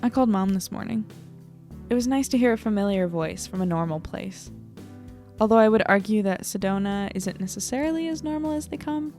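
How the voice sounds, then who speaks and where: A woman's voice: medium pitch, lively intonation, brisk, warm tone, soft background music, lightly acted. A woman in her twenties playing an anxious, wry young reporter rambling into an audio diary in a casual, self-deprecating way. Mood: wistful. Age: 20s. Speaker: narrator and lead character. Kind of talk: audio drama diary monologue, casual and conversational.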